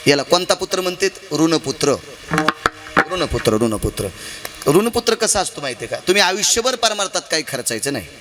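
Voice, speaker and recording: A man preaching a devotional kirtan sermon, telling stories dramatically with sudden swings in pitch and loudness, asking the audience rhetorical questions and stretching some phrases into a half-sung chant. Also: lively intonation, fast, hardly any pauses, slight background noise.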